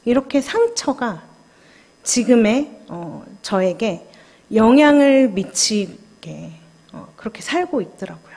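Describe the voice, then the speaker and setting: A woman's voice: fairly high pitch, animated, slow, darkish tone, slightly rough. Woman preaching in a reverberant church. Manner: confessional, conversational, questions the congregation. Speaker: junior pastor. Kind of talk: sermon at a Friday prayer service. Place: church sanctuary. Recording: long church hall reverb.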